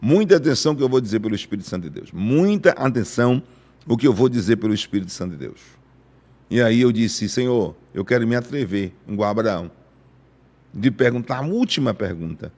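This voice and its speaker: A man from Brazil preaching a prophetic sermon on a live stream, fervent, dropping to hushed tones and rising to booming cries. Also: lively intonation, a little fast.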